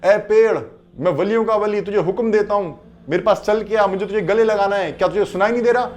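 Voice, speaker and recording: A man voicing a wry, teasing old male sage who turns loud and commanding when giving orders. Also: on the high side, lightly acted.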